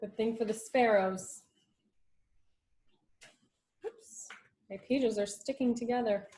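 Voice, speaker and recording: A woman's voice: on the high side, takes it slowly, dark tone. A woman teacher reading a children's storybook aloud expressively, with little asides about the pictures. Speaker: schoolteacher reading to her class.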